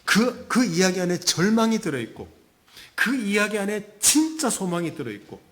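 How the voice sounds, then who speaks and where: A male pastor preaching a Sunday sermon, emphatic, full of rhetorical questions and sudden hushed asides. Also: sits high, sing-song, moderate pace.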